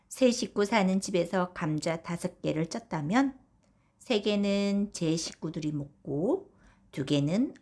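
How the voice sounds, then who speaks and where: A woman narrating a traditional folktale as a gentle bedtime story for children. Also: fairly low pitch. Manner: soft storytelling tone addressed to children. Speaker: audiobook narrator.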